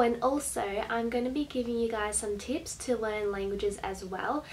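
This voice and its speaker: A woman's voice: on the high side, slight background noise, low-quality recording. Chatty young Australian woman vlogging. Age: young adult. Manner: friendly, chatty, with soft laughs. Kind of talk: casual talk to camera. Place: small bright bedroom, indoors. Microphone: camera at desk distance.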